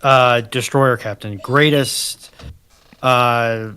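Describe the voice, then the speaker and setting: A man speaking as a panelist in a casual history discussion, measured and careful to qualify his points. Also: medium pitch, steady tone, sharp tone, clean tone.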